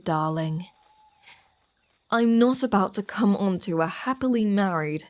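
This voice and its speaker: Woman playing a slow-talking, flirty female vampire. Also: medium pitch, darkish tone, close to an everyday voice. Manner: playful, sardonic, mock-exasperated. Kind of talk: ASMR roleplay audio drama.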